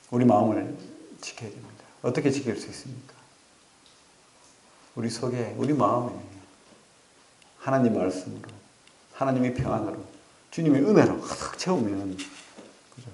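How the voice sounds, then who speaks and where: Gravelly-voiced pastor preaching in an echoey church. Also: male voice, medium pitch, moderate pace, pauses often. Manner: animated storytelling with rhetorical questions to the congregation. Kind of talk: sermon. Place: church sanctuary.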